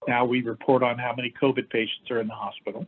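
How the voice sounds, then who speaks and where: A man with a hoarse voice from a lingering respiratory infection, giving an informal medical briefing as a doctor, explaining things in measured, emphatic phrases. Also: mid-range voice, level tone. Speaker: doctor hosting a health update for firefighters and EMS. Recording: thin, phone-like band-limited audio.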